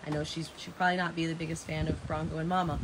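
A woman in her thirties with a raspy voice, chatting casually and dramatically to live stream viewers, repeating phrases for emphasis. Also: low-pitched, flat delivery, rapid-fire. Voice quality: raspy from heavy singing. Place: open porch of a house and its garden, outdoors. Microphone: phone at arm's length. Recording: noisy outdoor phone recording.

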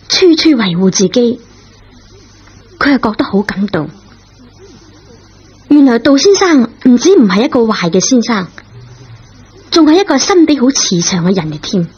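A woman with a Cantonese accent narrating a radio drama in an expressive storytelling manner. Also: on the high side, breathy edge. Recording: dull lo-fi radio recording, music behind.

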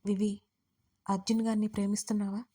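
A woman's voice: medium pitch, level tone, a little fast, warm tone, natural voice. A bold young female friend who speaks bluntly and teases, as a woman narrator plays her. The voice stays close to the reader's own, direct and plain, in a storybook audio drama. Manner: blunt, teasing.

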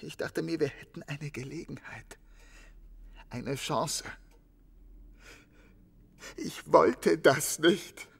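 A man acting in an audio drama as a distraught innkeeper making a confession, halting and breaking into whispers. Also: a little high, vocal fry, slightly rough, heavily acted. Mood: anguished, pleading. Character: distraught innkeeper confessing to killing his wife.

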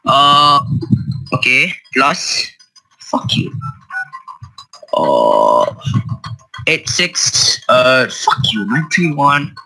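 A man with a very bright, piercing voice makes prank calls over an online voice chat. His delivery is slow and halting, jumping around in pitch, with crude swearing throughout. Faint music plays behind him. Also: big pitch swings, creaky, low-quality recording. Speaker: prank caller. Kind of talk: casual prank calling on a group voice chat. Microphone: computer mic on an online voice call.

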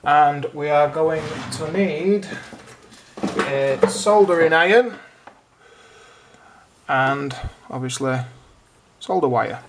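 A British man with a slightly high voice narrates an informal how-to video. He explains each step in turn as a hobbyist host would, in plain conversational phrasing. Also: slow pace, pauses often, slight background noise.

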